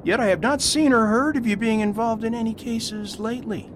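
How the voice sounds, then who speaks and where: A man playing a mild, polite but persistent Catholic priest in a radio play, with formal, courteous speech. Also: a little fast. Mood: flattering. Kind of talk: amateur radio play acting. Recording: faint background rumble.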